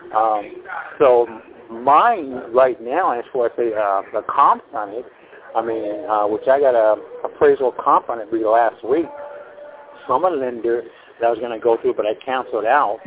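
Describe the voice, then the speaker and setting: Older male home seller, sixties, halting and wordy, phone-quality audio. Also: medium pitch. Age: 60s. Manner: rambling, halting with many fillers and restarts. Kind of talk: casual phone conversation. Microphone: telephone. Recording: tinny phone line.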